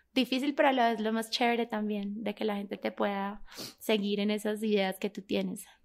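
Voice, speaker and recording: A woman speaks in a Medellín accent with a fairly high pitch. Her intonation is fairly even. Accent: Colombian paisa (Medellín). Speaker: marketing executive. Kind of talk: podcast interview.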